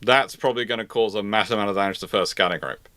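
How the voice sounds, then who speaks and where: Bright, deep-voiced man thinking aloud live. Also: smooth, no room sound. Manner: halting, repeats and reworks phrases as he thinks aloud. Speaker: host answering viewer questions. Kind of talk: live Q&A naval history commentary.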